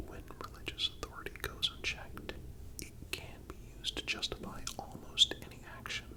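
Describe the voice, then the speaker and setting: Casting: ASMR narrator, fully whispered, breathy, calm and deliberate scripted delivery. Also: rough recording. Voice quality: breathy unvoiced whisper throughout. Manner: calm, measured, deliberate phrasing. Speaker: narrator and channel host.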